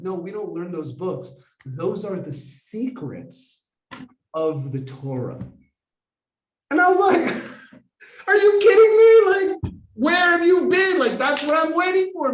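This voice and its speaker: Animated man telling a story in an echoey hall. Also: sits high, far from the mic. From United States. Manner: animated, acts out dialogue, many fillers. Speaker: Kabbalah teacher. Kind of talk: storytelling talk to an audience. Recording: echoey room, voice from afar.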